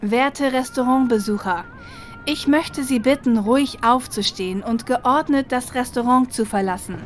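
A woman's voice: sits high, normal speed, natural voice. An actress playing a principled young policewoman in a radio drama, earnest and questioning. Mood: earnest, protesting. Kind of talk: German radio play acting. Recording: rough unfinished mix, clear vehicle noise.

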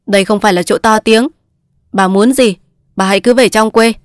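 A woman's voice: medium pitch, steady tone, moderate pace, no echo, close to an everyday voice. A woman reading the part of a proud young official son who speaks curtly and dismissively, in a dry recording. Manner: curt, dismissive.

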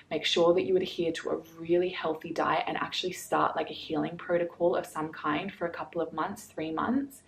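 A woman's voice: lowish voice, rough recording. A young woman speaking to camera as a holistic health coach, earnest and flowing, with lots of "like" and "you know". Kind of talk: direct-to-camera advice vlog.

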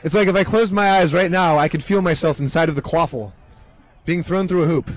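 High-voiced joking male sports commentator. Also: brisk, low-quality recording. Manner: deadpan joking asides. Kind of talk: comedic live sports commentary.

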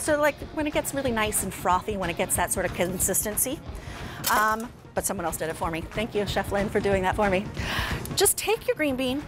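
A middle-aged woman hosting live infomercial-style shopping television, chatty and self-deprecating as she pitches and demonstrates. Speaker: shopping channel host. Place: TV studio kitchen set.

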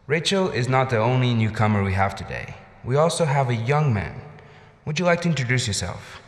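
A man's voice: medium pitch, expressive, fairly quick, natural voice. Male group facilitator, played by an actor, formal and courteous, echoing hall acoustics, radio drama. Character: polite, composed support group leader. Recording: echoey hall.

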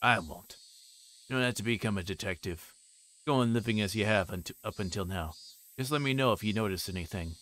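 A man's voice: on the low side, brisk, fairly bright tone, a little hiss or hum, close to an everyday voice. A man voicing a bulky, vulgar police detective from a visual novel, insistent with unpleasant politeness. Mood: politely insistent.

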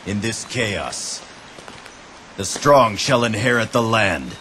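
An actor playing a proud veteran warlord in a game cutscene, speaking in a gravelly, commanding way. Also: male voice, fairly low pitch, expressive, slow pace, sharp tone, a little hiss or hum, full character voice.

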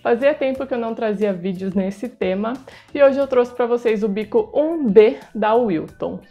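Higher-voiced Brazilian woman presenting a tutorial. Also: moderate pace, dull audio. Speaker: host of a cake decorating channel. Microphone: lapel. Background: background music.

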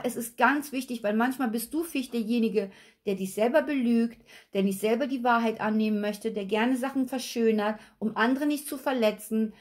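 A woman, slightly hoarse, giving a chatty tarot reading at a table and often checking in with viewers. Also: on the high side. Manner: chatty, repeats okay? and addresses viewers directly. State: slightly hoarse, recovering from illness. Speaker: tarot reader. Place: at a table with cards and a candle, indoors.

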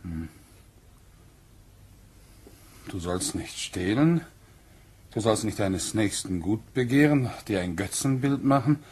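An actor playing a plain-spoken, guarded Puritan farmer in a German radio play, blunt and measured, at times hesitant. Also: male voice, fairly low pitch, animated, a little mellow, a little hiss or hum. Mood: halting, uneasy.

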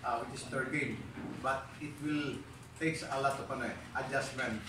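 Filipino coach, halting, in an echoey room. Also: male voice, mid-range voice, steady tone, far from the mic. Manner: halting, with many "uh" fillers and Tagalog phrases mixed in. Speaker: basketball coach. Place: press room with a backdrop, seated at a table. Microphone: table mics heard from a far camera. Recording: echoey room from afar, noisy.

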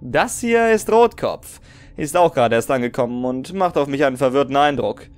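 A man's voice: medium pitch, lively intonation, moderate pace, smooth, lightly acted. A man playing a jaded but comradely veteran soldier in an audio drama, blunt and resigned.

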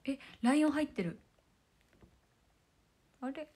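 A young woman chatting casually with viewers on a livestream, bubbly and quick to giggle. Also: high voice, lively intonation, darkish tone. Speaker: idol livestreamer.

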